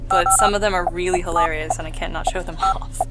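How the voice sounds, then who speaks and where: A woman's voice: lowish voice, steady tone, fast, very noisy. A woman hosting a let's play with casual, jokey, sweary game commentary.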